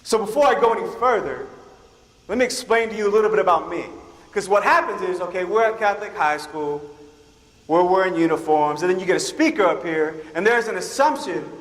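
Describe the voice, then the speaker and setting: A man from Guam giving a keynote talk to high school students, telling stories in an animated way and acting out the dialogue. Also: brisk. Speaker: keynote speaker. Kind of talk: motivational storytelling talk to students. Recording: echoey hall with long reverb.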